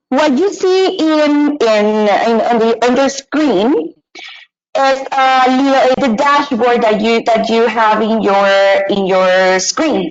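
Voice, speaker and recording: A young woman from Mexico presenting a live online teaching webinar from a small room, hesitant with many fillers and restarts. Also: on the high side. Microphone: webcam and computer mic. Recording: dull lo-fi webinar audio.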